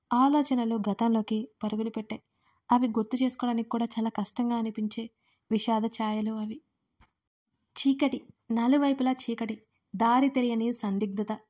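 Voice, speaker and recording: A woman narrating an audio drama series in steady, emotive storytelling. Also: a little high.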